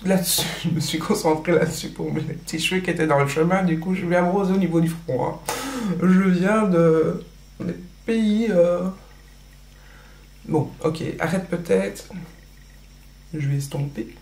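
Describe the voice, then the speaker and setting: A woman's voice: lowish voice, measured pace, pauses often, a little mellow, reverberant. A woman in her thirties from Belgium, Dutch her first language, chatting casually with a Belgian French accent, full of fillers and restarts. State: pregnant. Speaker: vlogger. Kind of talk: casual chat while doing makeup.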